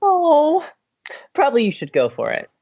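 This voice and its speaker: Slightly dull, lo-fi audio carries a man acting an upbeat male college radio host in a romantic comedy drama. His delivery is lively and melodic, with a breezy, teasing playfulness. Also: extremely high pitch, moderate pace, vocal fry, heavily acted. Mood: breezy, encouraging.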